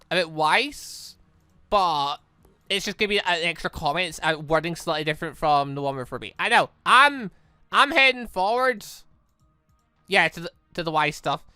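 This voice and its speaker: Man, let's play commentary, bright forceful voice, rambling, dry close sound. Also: high voice, measured pace, long pauses, smooth, no room sound. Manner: rambling, stammering self-corrections. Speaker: gaming video host. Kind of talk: let's play commentary, reading visual novel dialogue aloud. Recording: music behind the voice.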